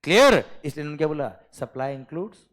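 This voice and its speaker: A man with an Indian accent teaching a classroom lecture. He dictates slowly word by word, then explains quickly and keeps checking that the students follow. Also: a little high, animated, a bit bright. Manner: checks understanding often, calls students "beta" and "sir".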